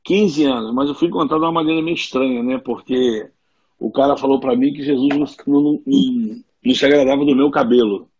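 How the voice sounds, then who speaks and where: A man's voice: mid-range voice, sing-song, a little fast, gravelly, a little mellow, breathy edge, highs cut off. A man from Rio de Janeiro with a Carioca accent, a chatty guest telling stories on a video call. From Rio de Janeiro, Brazil. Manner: chatty storyteller, laughs often. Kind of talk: casual video-call interview.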